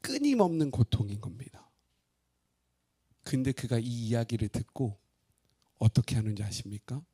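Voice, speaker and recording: A man pastor preaching a sermon expressively, asking his congregation questions and swinging between loud and hushed. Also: medium pitch, sing-song, normal speed, breathy edge.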